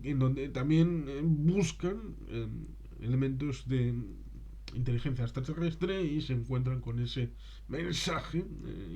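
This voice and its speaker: A man presenting unscripted film commentary in a discursive, halting way, searching for his words and tossing in rhetorical questions. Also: medium pitch, darkish tone.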